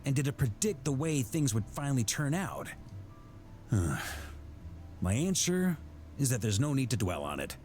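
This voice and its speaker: A middle-aged knight grandmaster from a fantasy video game, roguish and jovial. The delivery is hearty and conversational, swinging widely in pitch as if telling a tale. Soft music plays behind the voice. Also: male voice, big pitch swings, measured pace, long pauses. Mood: resolute. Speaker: game character giving voice lines. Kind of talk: scripted video game voice acting.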